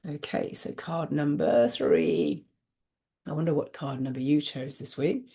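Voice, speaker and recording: A woman with a deep, gravelly voice offers spiritual guidance while reading oracle cards. Her tone is dark and mellow, and she speaks softly and without hurry. She circles back over the same phrases again and again. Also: fairly even intonation. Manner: soft, unhurried and repetitive, dwelling on phrases. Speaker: host and oracle card reader.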